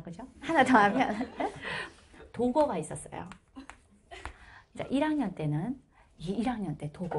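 Animated woman math teacher telling a story. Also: mid-range voice, a little hiss or hum. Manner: animated, laughs often while telling the story. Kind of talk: storytelling during a live class. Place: lecture classroom.

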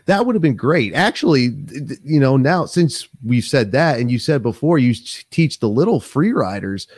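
A man's voice: mid-range voice, normal speed, slightly rough, no echo. Podcast host, thirties, man; rambling, chatty delivery on a desk mic, dry close sound. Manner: rambling, animated, lots of fillers and restarts. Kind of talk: casual interview chat. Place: small home office. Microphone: desk microphone on stand.

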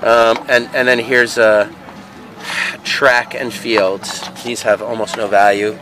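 A man's voice: medium pitch, little pitch movement, slow. Rambling man sorting games at an outdoor flea market. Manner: rambling, thinking aloud, many fillers. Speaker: video game reseller. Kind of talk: casual handheld vlog narration. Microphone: handheld camera. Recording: noisy outdoor camera audio.

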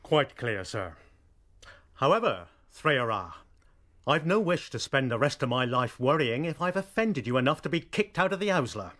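An actor playing a proud, blunt rabbit military officer in a radio drama, formal and firm. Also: male voice, mid-range voice, sing-song, normal speed, fairly bright tone. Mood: stiff, resolute.

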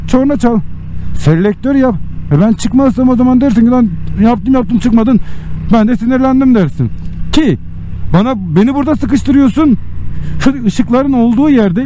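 High-pitched man ranting inside a helmet. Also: mellow. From Turkey. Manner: agitated, combative, blunt, swearing. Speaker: motovlogger. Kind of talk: casual vlog rant while riding. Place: outdoors, riding a motorcycle in traffic. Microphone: microphone inside a helmet. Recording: helmet mic with road and engine noise.

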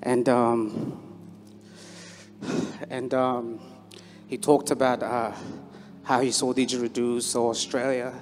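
A man's voice: mid-range voice, little pitch movement, takes it slowly, pauses often, darkish tone, soft background music. A young man from Sudan giving a testimony on an arena stage with a handheld mic, hesitant with many fillers. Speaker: bible school student. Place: large indoor arena stage. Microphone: handheld microphone.

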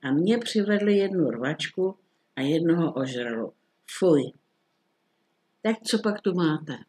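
A man voicing a phlegmatic middle-aged police commissioner who talks in a dry, unhurried, grumbly way. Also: on the high side, lively intonation, a little mellow, close to an everyday voice.

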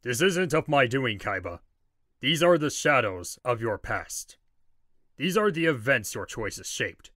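Guy voicing a curt impatient ghost, bright edgy voice, dry recording, audio drama. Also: medium pitch, big pitch swings, unhurried, dry recording, exaggerated voice. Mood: stern. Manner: scornful, curt. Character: stern, impatient male ghost of Christmas past. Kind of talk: fan audio drama acting.

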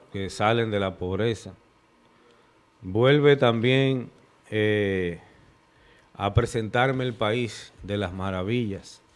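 A man on a TV studio panel, giving measured political commentary into a desk mic. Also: medium pitch. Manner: measured, deliberate, rhetorical. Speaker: panel guest. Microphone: desk microphone.

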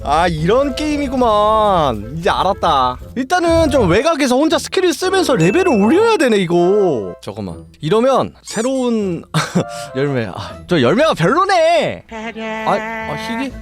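A young adult woman giving casual gameplay commentary, talking to herself and shouting at the game. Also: on the high side, wildly swooping pitch, normal speed. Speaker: game streamer. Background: game music.

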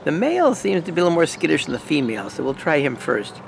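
A man in his sixties from Michigan, chatting in a relaxed, gentle way with pauses and fillers as he vlogs outdoors. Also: fairly high pitch, creaky, a little hiss or hum. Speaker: nature vlogger. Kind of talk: casual outdoor vlog narration. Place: outdoors in a park, later indoors at home.

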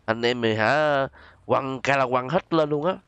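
A man's voice: mid-range voice, moderate pace, fairly bright tone, clear, resonant tone, no echo. A man with a southern Vietnamese accent hosts a gaming video, giving casual gameplay commentary to his viewers.

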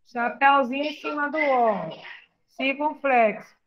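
A woman's voice: high voice, slow pace, muffled recording, slight background noise. A woman teacher with a Brazilian Portuguese accent, patiently explaining a lesson and asking questions. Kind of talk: classroom lesson.

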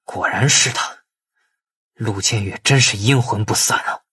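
A man's voice: on the low side, measured pace, sharp tone, husky, full character voice. A man voicing a wily, irritable, world-weary young man in an audiobook crime novel, talking in a colloquial, grumbling way. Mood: astonished.

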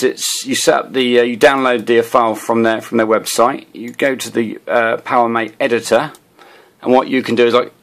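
A man's voice: mid-range voice, a bit bright. Hesitant man giving a casual demo. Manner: hesitant, rambling, often repeating words. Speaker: video host, amateur radio hobbyist. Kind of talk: casual off-the-cuff product demonstration. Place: small indoor room at a desk. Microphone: handheld camera or phone.

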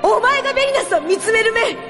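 Shrill, echoing, vengeful ghost lady. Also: lively intonation, fast. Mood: venomous rage. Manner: shrill, venomous, accusing. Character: vengeful, jealous ghost of a dead noblewoman. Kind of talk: Japanese radio drama acting. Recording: long reverb, music behind.

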